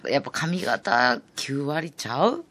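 A woman's voice: sits low, sing-song, takes it slowly, a bit bright. A woman with a Kansai accent co-hosting a podcast in casual chat, playful and teasing. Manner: playful, teasing, laughs often. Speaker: podcast co-host.

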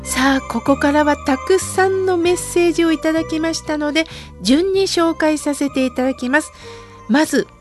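High-voiced woman reading listener letters. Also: normal speed, faint music behind. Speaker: radio host and temple priest.

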